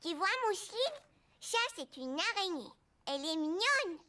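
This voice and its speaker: An actor voicing a curious, gentle four-year-old boy in a children's cartoon, patiently explaining things to a younger child. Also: extremely high pitch, very animated, a little slow, very noisy, heavily acted. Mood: gently instructive.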